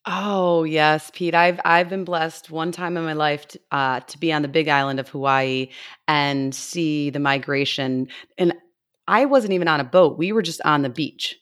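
A woman with a notably low voice hosts a casual podcast interview. She talks with bubbly enthusiasm, often restarting her sentences as she gushes. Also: moderate pace, a bit bright, smooth. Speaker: podcast host.

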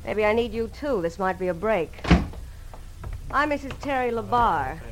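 An actress playing a brisk, guarded businesswoman in trouble, in 1940s radio drama, terse and hard-edged. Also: medium pitch, expressive, very noisy, lightly acted.

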